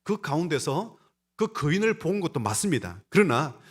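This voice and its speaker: Speaking straight to his congregation, this male pastor preaches emphatically, his delivery rising and falling. His voice is a little high and slightly rough, with big pitch swings at a normal speed.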